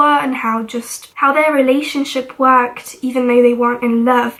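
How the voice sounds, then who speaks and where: At a high pitch and fairly slow pace, a woman speaks in a monotone, flat way over noticeable background noise. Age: young. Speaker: book reviewer. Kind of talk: casual talk to camera.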